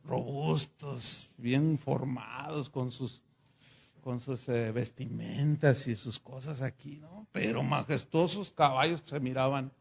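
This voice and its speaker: A man, a pastor telling a story in a sermon, animated and chatty with fillers. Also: medium pitch, slow pace, creaky, husky.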